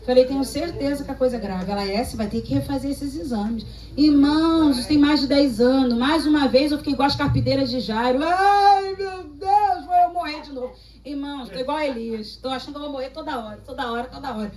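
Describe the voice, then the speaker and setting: A Brazilian woman pastor preaches a sermon in a church hall, telling stories and acting out dialogue as she exhorts the congregation. Her voice is high, quick and a little mellow. The mic is at a distance and the hall is echoey.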